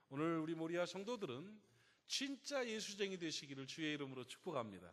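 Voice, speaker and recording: At a fairly quick pace, a man speaks with a high pitch and very wide pitch swings. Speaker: pastor. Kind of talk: sermon. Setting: church.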